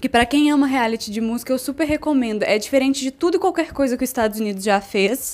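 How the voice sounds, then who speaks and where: In a high pitch, a woman speaks with ordinary pitch variation. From Brazil, Belo Horizonte (Minas Gerais). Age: 20s. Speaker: listener sending a recommendation message. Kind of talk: recorded listener message.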